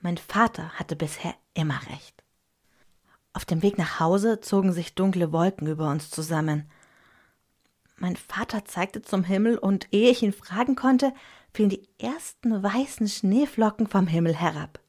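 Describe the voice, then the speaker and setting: A woman narrating a scripted story in a gentle, measured storytelling manner. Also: medium pitch.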